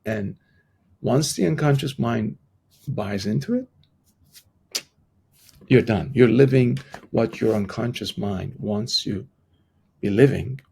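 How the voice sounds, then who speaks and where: A middle-aged man with an Iranian accent and a husky, gravelly voice, telling personal stories reflectively as an interview guest. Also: medium pitch, takes it slowly, long pauses, warm tone. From Iran. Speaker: podcast guest, transformational coach.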